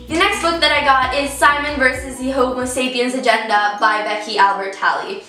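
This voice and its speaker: A teenage girl with an Italian accent chats bubbly to her viewers, her voice high and bright. She sits away from the mic in a very echoey room, with faint music underneath. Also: distant mic. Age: teens. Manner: chatty, bubbly, addresses viewers directly. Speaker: book vlogger. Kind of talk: casual book haul chat.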